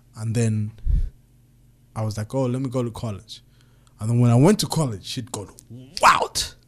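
A man's medium-pitched, somewhat breathy voice moves fairly slowly, with ordinary pitch variation. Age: 30s. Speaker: radio presenter and podcast co-host. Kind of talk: casual chat.

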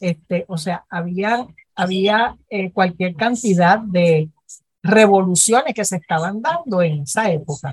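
Speaking at a very slow pace, a woman has a somewhat breathy, medium-pitched voice with ordinary pitch variation. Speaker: psychologist. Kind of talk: casual chat.

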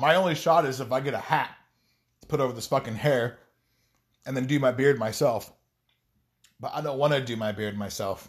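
With a medium pitch and ordinary pitch variation, a somewhat breathy man talks at a fairly quick pace on a very clean recording with a silent background. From US Midwest. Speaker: podcast host. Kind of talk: casual solo monologue.

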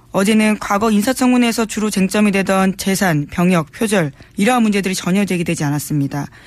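A woman's unremarkable speaking voice, medium in pitch with ordinary pitch variation, at a fairly quick pace. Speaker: news magazine reporter. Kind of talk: news briefing.

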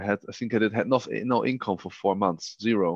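Over a quiet background, a man with a Dutch accent talks at a fairly quick pace, the sound dry and close with no echo. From Netherlands. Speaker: sales closer. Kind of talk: interview. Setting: video call. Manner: measured persuasive cadence.

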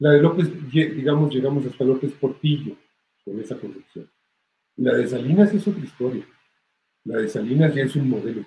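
A man's fairly high, somewhat breathy voice with a dark, mellow tone, ordinary pitch variation, fairly quick pace and long, frequent pauses. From Mexico. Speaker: columnist. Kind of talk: political discussion.

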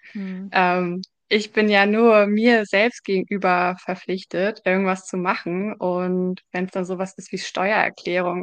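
Monotone, flat intonation against a quiet background. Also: woman. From northern Germany, Hamburg. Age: 30s. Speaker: professional organizer with ADHD. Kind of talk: casual interview.

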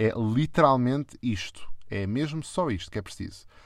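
A man talks in a European Portuguese accent. His pitch varies in an ordinary way over a quiet background. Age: 20s. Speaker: podcast host. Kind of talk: personal monologue. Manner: hesitant, with fillers.

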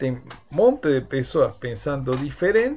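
Somewhat breathy, a man with an Argentine accent speaks at a very slow pace with lively intonation. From Argentina. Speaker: economics professor. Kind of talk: interview.

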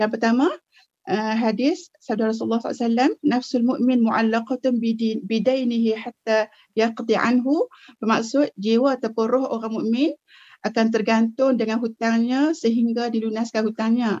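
The sound is dry and close with no echo as a woman speaks at a fairly slow pace, her loudness very even. Her pitch is fairly high, her intonation fairly even, and her tone dark and mellow. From Kedah, Malaysia. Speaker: religious teacher and gold dealer. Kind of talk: podcast interview.

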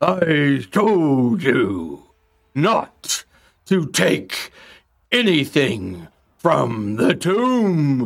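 Doing a put-on robotic character voice, a man speaks at a very slow pace with long, frequent pauses, very wide pitch swings and a fairly high pitch. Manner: loud, yelling.

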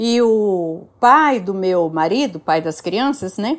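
A woman's lively intonation carries through her very slow delivery. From Maranhão, Brazilian Northeast. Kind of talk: interview.

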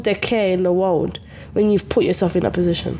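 Over noticeable background noise, a woman talks in an animated tone. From Portugal. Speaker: podcast co-host. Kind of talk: casual chat. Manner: animated, laughing.

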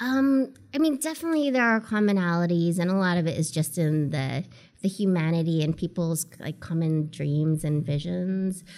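A plain, everyday voice with an American accent, speaking at a moderate pace with lively intonation. The recording is very clean, with a silent background. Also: woman, fairly low pitch for a woman. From US Midwest, Omaha. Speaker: community organization director. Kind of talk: interview. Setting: studio.

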